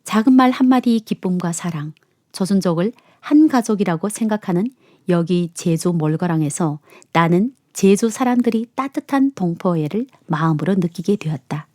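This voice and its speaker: A woman's voice: on the low side, normal speed, mellow, dry recording. A woman presenting a radio program, reading listener letters and chatting in the studio.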